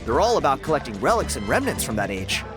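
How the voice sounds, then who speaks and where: A man's voice: mid-range voice, big pitch swings, quick pace, close to an everyday voice. A man voicing a cocky, friendly young tribal dancer in a video game, talking in an easygoing, boastful way. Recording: game audio with loud music underneath.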